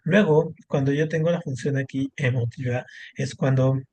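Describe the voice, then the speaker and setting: A male teacher explaining language functions in an online class, leaning on "¿no?" and "este" as he goes. His voice sits at an ordinary middle pitch. The sound is dry and close, with no room echo. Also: fairly even intonation, normal speed, warm tone. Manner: explanatory, frequent "¿no?" and "este" fillers.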